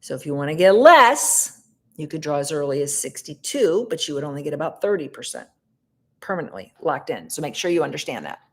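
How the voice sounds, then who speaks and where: Woman doing a live q&a, straight-talking, reads comments out and answers quick. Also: sits low, sing-song. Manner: brisk, direct, reads out viewer comments. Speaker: livestream host answering viewer questions. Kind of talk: casual live Q&A.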